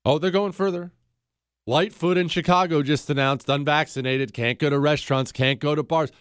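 A man hosting a talk radio show, speaking in an animated, sarcastic monologue with wide swings in pitch and a slightly congested voice. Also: moderate pace, smooth, no echo, clean studio sound. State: congested from allergies.

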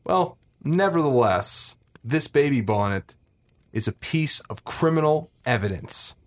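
Man acting as an obsessive, excitable amateur sleuth. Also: mid-range voice, measured pace, natural voice. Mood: conspiratorial. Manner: intense, conversational, profane. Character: obsessive, paranoid, hot-tempered male amateur investigator. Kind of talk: naturalistic improvised audio drama. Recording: music under the voice.

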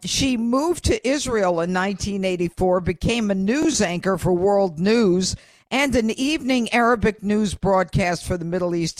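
A woman's voice: medium pitch, no echo. An American woman hosting a radio talk show, who speaks emphatically with frequent "uh" fillers.

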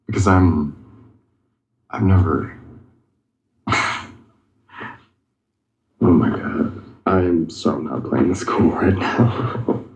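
An actor playing a flustered, smitten young man in a romantic comedy film, speaking haltingly. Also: low-pitched, exaggerated voice. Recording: echoey film clip audio.

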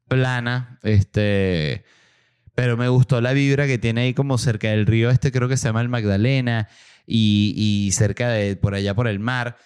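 A man hosting a podcast, telling a travel story in a casual, animated way and acting out the people he quotes. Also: clear, resonant tone. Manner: animated, acts out quoted voices with big pitch jumps. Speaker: podcast host. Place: small home studio room.

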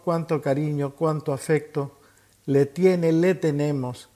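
A man speaking as host of a tribute, reminiscing in a reflective way with pauses between phrases. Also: a little high, warm tone. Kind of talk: spoken personal reminiscence.

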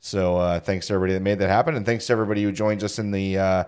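A man's voice: low-pitched, steady tone, very fast, darkish tone, clean tone. A man in his forties hosting a casual sports podcast, jokey and self-deprecating, laughing often. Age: 40s. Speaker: podcast host.

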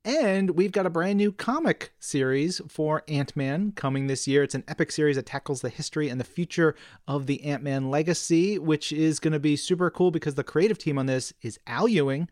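A man co-hosting a chat show about comics, excitable and full of slang. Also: a little high, fairly quick, dry recording, clean studio sound. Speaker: co-host. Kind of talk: casual chat.

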